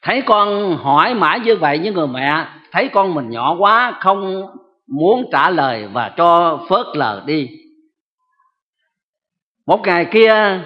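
A man preaching a sermon slowly and emphatically, often turning to address his listeners, in a church hall on a dull, echoey recording. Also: a little high.

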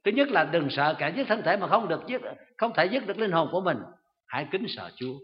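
Pastor guy preaching hard, lively up and down voice, dull sound with big long echo. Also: high-pitched, fast. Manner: earnest exhortation, repeated address to congregation. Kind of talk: sermon.

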